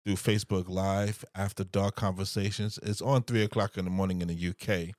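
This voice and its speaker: A man's voice: deep voice, fairly even intonation, fairly quick, a little mellow, no echo, studio quality. A man hosting a podcast in a casual, friendly way, chuckling often and repeating himself. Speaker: podcast host. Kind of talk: casual chat.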